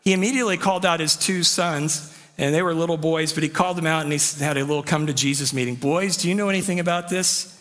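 Male pastor, slightly high voice, storytelling sermon, long church-hall reverb. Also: a bit bright. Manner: storytelling, conversational, with rhetorical questions. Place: church sanctuary.

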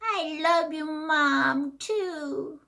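A woman voicing a mischievous, whiny little boy in a picture book read aloud, with high squealing childish wails. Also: drawn-out words, gravelly, pushed and bright, full character voice. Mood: sheepish.

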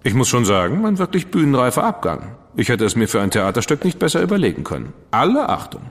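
Theatrical ironic dandy, mid-pitched, radio drama. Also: male voice, huge pitch swings, fast talker. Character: witty, theatrical male dandy, ironic and fastidious. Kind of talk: German radio drama acting. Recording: long reverb with music behind.

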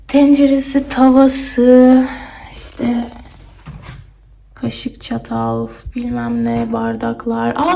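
A woman's voice: a little high, gravelly, darkish tone. A young woman in her twenties chatting casually as a vlogger, laughing often and talking half to herself, her voice echoing like a cave in a bare empty room. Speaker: exchange student vlogger. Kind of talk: casual vlog chat. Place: empty dorm room, indoors.

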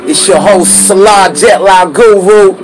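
A man's voice: sits high, a little slow. An American man hosting a hip hop radio show in hype, slangy talk, often repeating his phrases. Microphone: studio broadcast microphone. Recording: loud hip hop music underneath.

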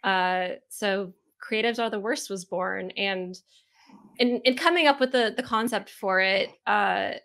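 A woman's voice: medium pitch, measured pace, a bit bright. A woman being interviewed about her work, chatting casually and loosely. She restarts her sentences often and keeps an easy, talkative flow. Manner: chatty, with frequent restarts and laughter. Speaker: podcast co-host and marketer.

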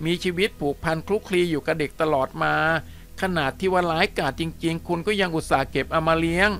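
A woman's voice: deep voice, fast, faint music behind. A man voicing a prim, strict young female teacher who talks in a formal, fussy, complaining way. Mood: curious.

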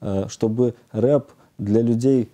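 A man in his thirties from Odesa, speaking haltingly and searching for words as a guest in a casual TV interview. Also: medium pitch, fairly even intonation, dark tone. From Odesa, Ukraine. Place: TV studio, indoors, seated.

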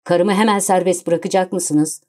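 A woman's voice: lowish voice, steady tone, normal speed, a little mellow, close to an everyday voice. A woman reading the lines of an anxious, cornered male official in an audiobook. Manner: anxious, strained.

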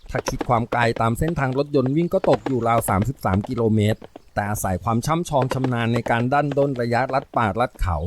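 A man narrating a novel in an expressive storytelling voice. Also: mid-range voice, fast, background noise. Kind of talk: audiobook novel reading.

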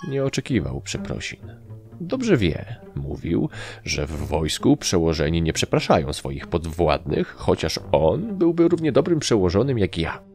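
A man narrating an audiobook in a very low, gravelly voice. His delivery is dry and wry, and it moves lively up and down. Faint music plays softly behind him. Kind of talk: first-person audiobook narration.

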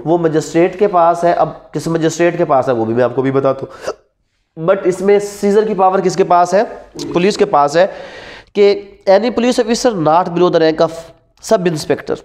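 A Pakistani man with a slightly high voice gives a classroom lecture. He keeps asking questions that he answers himself, and he repeats important terms for his students. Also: unhurried, darkish tone. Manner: asks rhetorical questions and repeats key points. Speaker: law teacher. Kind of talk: classroom lecture mixing Urdu and English terms. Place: indoors in front of a classroom whiteboard.

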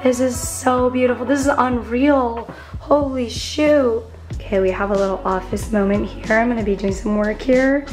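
A woman in her twenties, talking casually to a handheld camera in a hotel room, bubbly and chatty, her voice hoarse and nearly gone. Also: fairly high pitch, fairly even intonation, moderate pace, over music. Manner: bubbly, chatty, addresses viewers as besties. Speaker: vlogger. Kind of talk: casual vlog chat to camera. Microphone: camera held at arm's length.

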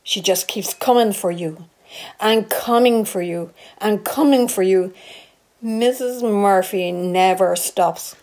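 A woman's voice: mid-range voice, slow, darkish tone. A woman doing an Irish gossip who spins ominous warnings with relish. Her voice sits mid-range and plain. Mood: teasing. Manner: dramatic, teasing warnings.

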